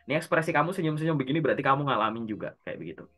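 A man's voice: mid-range voice, big pitch swings, rapid-fire, fairly bright tone. Man coaching over a video call. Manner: explains step by step, poses and answers his own questions. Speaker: job interview coach. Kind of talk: casual coaching session.

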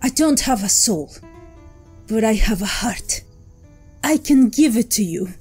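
A woman's voice: on the high side, expressive, a little slow, darkish tone, husky, soft background music, heavily acted. A sly soulless witch. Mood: devoted. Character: cunning soulless witch, calm, sly, Spanish-speaking. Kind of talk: audio drama acting.

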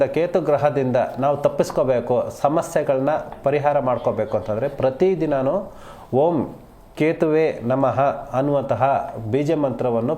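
A male astrologer talks to viewers and callers in a calm, soothing way. He stretches out the phrases he wants to stress. His voice sits at an ordinary middle pitch. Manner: calm, reassuring, stretches key phrases slowly. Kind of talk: live TV call-in advice.

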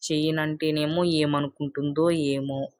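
A woman's voice: low-pitched, little pitch movement, measured pace, a little mellow, voice pushed down. Woman acting a meek, over-obliging village wife. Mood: worried, resentful.

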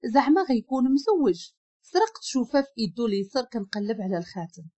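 A woman with a Moroccan accent narrating a first-person story in an expressive, emotional way. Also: on the high side, fast talker, highs cut off.

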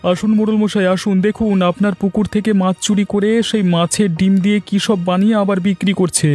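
A man pushing his voice high to play a jealous village schemer in a cartoon. He sounds sly and conniving, plotting against a rival shop. Faint music plays behind. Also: level tone, quick pace, darkish tone. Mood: scheming. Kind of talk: cartoon voice acting.

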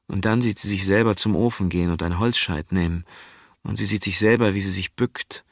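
A man narrating an audiobook in a slow, hushed manner, dwelling on repetitions. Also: low voice, no room sound, clean studio sound.

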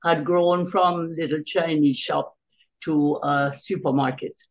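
Her tone sits low and steady as this Jamaican woman of about seventy talks through her family's past. She's an author and interview guest, pausing at length and sounding hesitant. She's indoors in a small, bright home room, heard via a computer mic on a video call.

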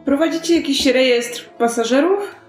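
A woman's voice: high voice, lively intonation, normal speed. A woman playing in a tabletop role-playing game, speaking improvised lines in character. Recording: roomy sound with faint music.

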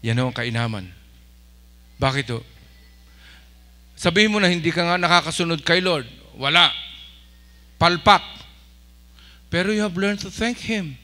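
A man with a Filipino accent preaches a lively sermon, mixing Tagalog and English as he rouses the congregation. His voice sits high for a man and has a bright, sharp ring. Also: a little slow, long pauses. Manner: switches between Tagalog and English, rousing the congregation. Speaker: pastor.

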